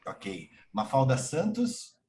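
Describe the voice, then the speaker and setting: Speaking slowly in a dark-toned, medium-pitched voice that swoops wildly up and down, a Brazilian Portuguese-accented man moderates a video call. As host of the online session, he brings in the guests one by one.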